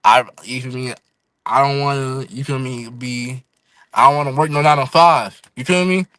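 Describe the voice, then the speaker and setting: A man's voice: medium pitch, steady tone, normal speed, fairly bright tone. A young man of eighteen, talking loosely as a podcast guest and saying "you feel me" again and again. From Fresno, California and Houston. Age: young adult. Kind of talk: casual podcast chat.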